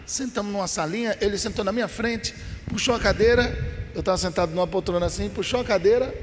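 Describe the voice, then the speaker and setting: A Brazilian pastor on a church panel, telling a story in lively, colloquial Portuguese. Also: male voice, sits high, fast, slight background noise. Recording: reverberant church hall.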